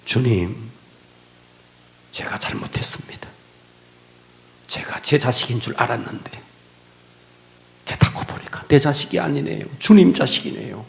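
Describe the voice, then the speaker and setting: A man's voice: mid-range voice, sing-song, measured pace, creaky, long pauses. A man voicing a desperate mother of five who pleads tearfully in prayer. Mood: hushed pleading.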